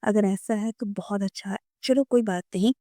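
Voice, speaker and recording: A woman's voice: mid-range voice, warm tone, dry recording, clean studio sound, lightly acted. A woman reading as an earnest, anxious fiancée. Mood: relieved.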